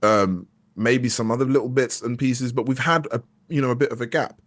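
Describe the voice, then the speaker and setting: A man's voice: mid-range voice, a little fast. A young adult man, an actor interviewed as a guest, talking casually and candidly, often restarting his sentences as he thinks aloud. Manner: candid and reflective, with frequent restarts and hesitations.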